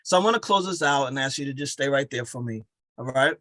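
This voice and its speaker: A man's voice: mid-range voice, expressive, quick pace, a bit bright. A man hosting a conversational interview, affirming his guest and speaking in motivational, coach-like phrases. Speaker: podcast host and coach.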